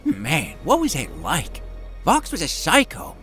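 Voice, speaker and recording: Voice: medium pitch, huge pitch swings, measured pace, a bit bright, faint music behind. A performer acting a cocky, wisecracking, streetwise male demon in a fan audio drama, with a theatrical, slangy manner. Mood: bitter, guarded.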